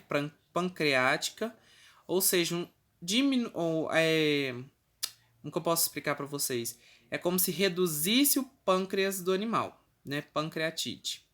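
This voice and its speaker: Bright-voiced Brazilian teacher giving a lecture. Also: mid-range voice. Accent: Brazilian Portuguese. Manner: explains step by step with frequent "né" and "tá" tags, stumbles and corrects itself. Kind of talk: recorded online class lecture.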